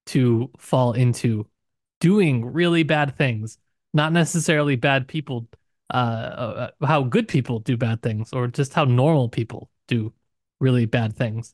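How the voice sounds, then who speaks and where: A man's voice: mid-range voice, dry recording, studio quality. A man co-hosting a podcast book discussion, talking in an earnest, explanatory way. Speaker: podcast co-host.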